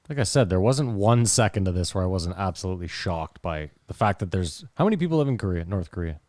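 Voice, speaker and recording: A man with a fairly low voice, recorded dry, chats as a podcast co-host. He is emphatic and incredulous, speaking loosely and swearing as he goes. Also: animated, a little fast, darkish tone, no echo. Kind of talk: casual podcast discussion.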